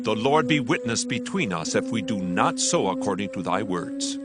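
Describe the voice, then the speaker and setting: A man's voice: on the low side, expressive, normal speed, loud music behind the voice, natural voice. A man playing an earnest tribal elder in a dramatized Bible, making formal, beseeching appeals in archaic English. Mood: solemn. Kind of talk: dramatized King James Bible acting.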